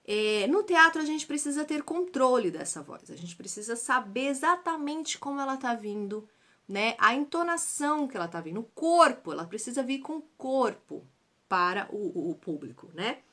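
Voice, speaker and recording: Woman from Brazil, theater teacher, bright voice, a bit high, chatty lesson, lots of fillers. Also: sing-song, normal speed. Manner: chatty, explanatory, frequent fillers and "né?".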